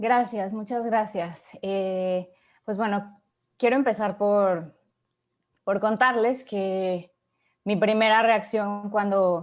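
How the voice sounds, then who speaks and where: Speaking at a very slow pace with long, frequent pauses, a woman uses a medium pitch over a quiet background. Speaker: psychoanalyst in training. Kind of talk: panel talk, partly read from a script.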